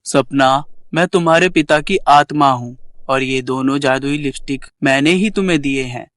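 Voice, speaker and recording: A man playing the kindly ghost of a dead father in an animated story, solemn and instructive. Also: mid-range voice, normal speed, no room sound, lightly acted. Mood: solemn, guiding.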